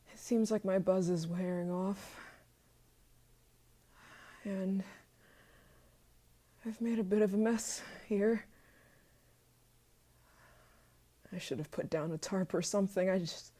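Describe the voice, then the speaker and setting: A woman's voice: lowish voice, slow, pauses often, mellow, breathy edge. A woman playing an obsessive, possessive, murderous yandere lover in an intimate ASMR roleplay monologue, moving between whispers and frantic outbursts. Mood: calm, tender, chilling.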